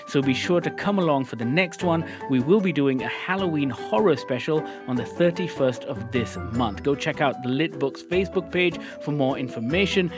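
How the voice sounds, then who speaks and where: Male radio host over a music bed. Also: medium pitch. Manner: smooth, announcing. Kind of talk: scripted show outro.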